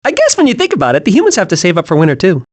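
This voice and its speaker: A man voicing an excitable, scatterbrained, cheerful young male squirrel with a childlike, eager delivery in an animated video game. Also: high voice, very fast, heavily acted. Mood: earnest, scatterbrained.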